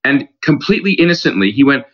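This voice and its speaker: A man, a stage actor, telling relaxed, reflective stories as a podcast guest, with easy laughs. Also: medium pitch, fast talker, highs cut off. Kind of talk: conversational interview.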